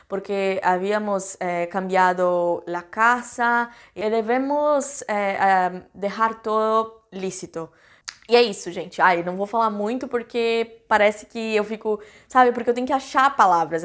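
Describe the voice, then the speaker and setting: A woman's voice: mid-range voice, fairly bright tone. A young woman from Brazil, a cruise ship crew member, chatting casually and directly to her viewers with lots of fillers.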